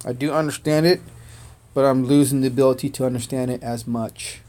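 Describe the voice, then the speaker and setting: A man born in Korea, whose first language was Korean, chats through a livestream of a strategy game. His voice sits at an ordinary mid pitch, and he rambles easily, thanking viewers by name between "uh"s and "man"s. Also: steady tone, fairly quick, a little mellow. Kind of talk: casual gaming livestream chat.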